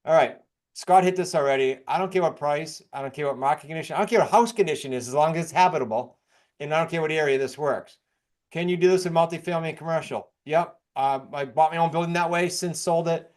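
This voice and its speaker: A man from New England with an American accent, presenting case studies as an informal, fast-talking real estate coach. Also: a little high, darkish tone. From New England, United States. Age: middle-aged or older.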